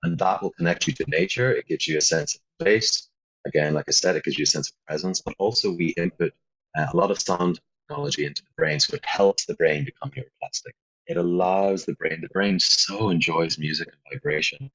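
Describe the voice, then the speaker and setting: A man with a Belfast accent, a guest calmly explaining his meditation work in an interview. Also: low-pitched, fairly quick, husky. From Northern Ireland. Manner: calm, flowing explanations with frequent fillers. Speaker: guest, founder of a meditation app. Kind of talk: interview conversation. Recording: dull, muffled lo-fi audio.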